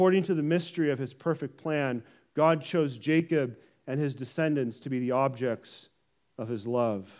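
A man with an unremarkable speaking voice talks with ordinary pitch variation. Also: fairly high pitch for a man, moderate pace, very clean recording, silent background. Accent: American. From Southern California. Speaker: pastor. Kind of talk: sermon. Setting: church.

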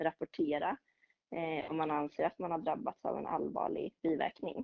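A woman with a very deep, low voice speaks with vocal fry. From Sweden, Jönköping. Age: 20s. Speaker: pharmacist, drug safety specialist. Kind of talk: podcast interview. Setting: phone call.

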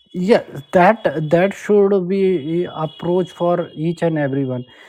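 A man with a high pitch and a dark, mellow tone, speaking at a fairly slow pace. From India. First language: an Indian language. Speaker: caller, finance researcher. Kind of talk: phone-in conversation. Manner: halting.

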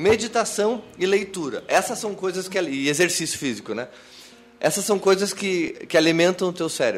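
A man speaks in a southern Brazilian accent. His pitch is high and his intonation lively. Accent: southern Brazilian (gaúcho) Portuguese. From Rio Grande do Sul, Santa Maria. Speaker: language school founder, entrepreneur. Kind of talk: casual chat.

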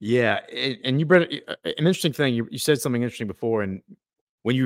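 A man speaks with an ordinary speaking voice at a medium pitch and lively intonation. The recording is very clean, with a silent background. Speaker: podcast co-host. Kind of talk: casual chat. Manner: filler-heavy, rambling.

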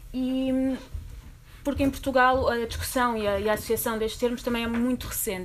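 The speaker keeps a moderate pace in a monotone, flat intonation. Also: woman, high pitch for a woman. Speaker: debate moderator. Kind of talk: panel moderation. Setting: stage with audience.

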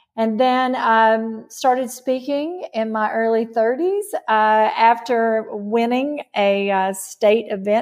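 On a very clean recording with a silent background, a woman with a Southern US accent speaks at a fairly high pitch with ordinary pitch variation. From US South, North Mississippi. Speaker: motivational speaker and author. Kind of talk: interview. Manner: animated.

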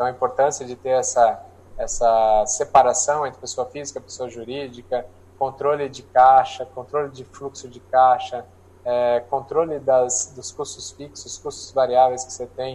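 A man speaks at a medium pitch with monotone, flat intonation. His loudness swings a great deal. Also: moderate pace. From Brazil, Campinas (São Paulo state). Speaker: plastic surgeon. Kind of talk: interview. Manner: halting, with frequent repetitions.

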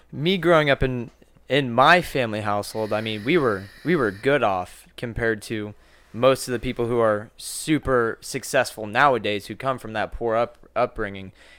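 This man has an unremarkable speaking voice at a medium pitch, with ordinary pitch variation. He speaks at a moderate pace in a very clean recording with a silent background. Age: young. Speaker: podcast host. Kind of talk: casual chat.

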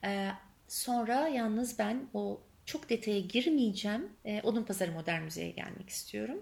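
Her fairly high voice is somewhat breathy with lively intonation. The woman speaks at a fairly slow pace. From Turkey, Eskişehir. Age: 50s. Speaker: city cultural administrator. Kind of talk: interview.

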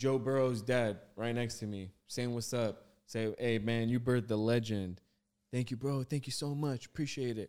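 A man speaks at a moderate pace in a medium pitch. It is a plain, everyday voice. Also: fairly even intonation. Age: 20s. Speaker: barber. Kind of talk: casual chat. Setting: barbershop.

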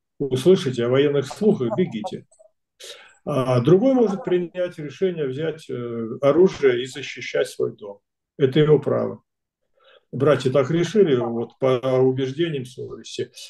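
The tone is dark and mellow, somewhat breathy, with ordinary pitch variation. The delivery runs at a fairly slow pace with long, frequent pauses. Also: man, fairly high pitch for a man. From Siberia, Russia (Omsk region). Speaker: retired Baptist pastor and church leader. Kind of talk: interview.

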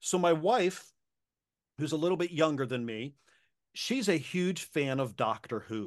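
Against a quiet background, a man with a normal speaking voice talks at a moderate pace with lively intonation. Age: 50s. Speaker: marketing consultant. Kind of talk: interview.

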